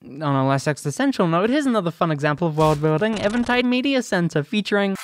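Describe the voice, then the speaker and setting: Wry, sardonic video essayist, mid-pitched voice. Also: expressive, fast talker, noisy background. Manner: wry, sardonic, playfully exaggerated. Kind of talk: casual scripted video-essay commentary.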